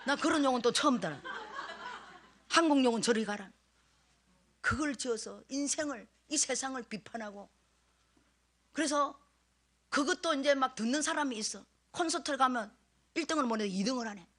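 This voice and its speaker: A middle-aged woman preaches into a handheld mic in a church sanctuary, her voice sitting a little high. She tells a personal testimony with raw emotion, sinking to near-whispers and then rising to loud, pleading cries. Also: animated, moderate pace, pauses often. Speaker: guest preacher. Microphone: handheld microphone.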